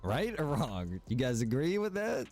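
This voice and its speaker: A man's voice: medium pitch, very animated, measured pace, a little mellow, soft background music. A man streaming a game, chatting casually with viewers, rambling and joking as he plays. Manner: rambling and joking, chats to viewers and reacts while playing.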